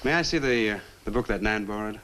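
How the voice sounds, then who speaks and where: A man's voice: lowish voice, fast talker, natural voice. Guy acting earnest young man in a 60s horror movie, polite, a bit hesitant, slight soundtrack noise. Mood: uneasy, probing. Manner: hesitant, courteous, skeptical. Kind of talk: 1960s horror film acting. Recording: noisy old film soundtrack.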